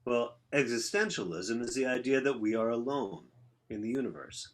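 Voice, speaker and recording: A man's voice: mid-range voice, expressive, moderate pace, a little hiss or hum, lightly acted. A man playing an earnest, bookish rock musician who explains ideas in a conversational play reading. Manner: explanatory, intellectual. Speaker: actor in a staged reading.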